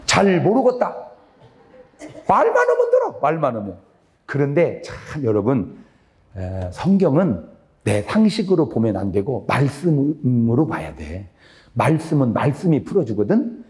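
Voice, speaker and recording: A man preaching a revival sermon as pastor, asking the congregation questions and having them answer back, swinging between loud high lines and low drops. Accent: Korean. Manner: call-and-response questions to the congregation. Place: church sanctuary.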